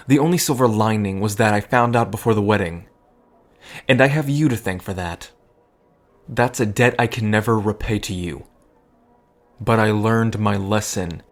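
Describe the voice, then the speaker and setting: Guarded, earnest, lower-voiced man played by an actor. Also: lightly acted. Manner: earnest, halting, defensive. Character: guarded, worrying man, pragmatic, once heartbroken. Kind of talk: audio drama acting.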